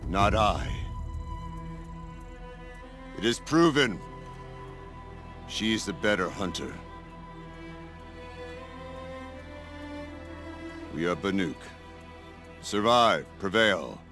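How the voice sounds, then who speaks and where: An actor playing a grave, battle-worn tribal warrior in a video game, speaking in solemn, terse, weighty phrases with a gravelly voice. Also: male voice, low voice, very animated, slow pace, long pauses, pushed and bright, heavily acted. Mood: stern, proud. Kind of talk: dramatic video game cutscene acting. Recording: music under the voice.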